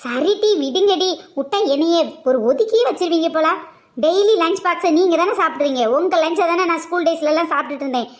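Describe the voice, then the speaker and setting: A high-pitched, cheeky teenage girl in a cartoon, full of teasing banter, as a woman voices her. She jokes quickly at her friends' expense. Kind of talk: cartoon voice acting.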